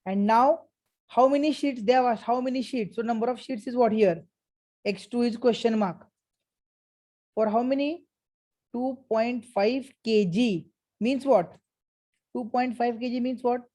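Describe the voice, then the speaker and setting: Mellow South Asian woman teaching maths. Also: on the high side, measured pace, long pauses. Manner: stern, prodding, repeatedly checks for answers. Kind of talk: interactive maths lesson.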